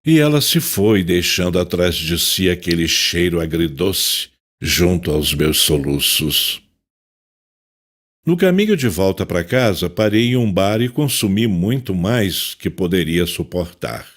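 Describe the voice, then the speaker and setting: An actor with a Brazilian accent playing a tormented, self-loathing psychiatrist in an audio drama, anguished and theatrical as he confesses. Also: low-pitched.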